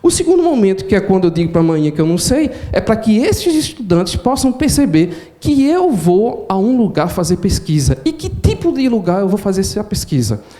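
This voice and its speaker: A man from Pernambuco, a professor giving an animated storytelling lecture. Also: sits high, fairly quick, hardly any pauses. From Pernambuco, Brazil. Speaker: professor and speaker.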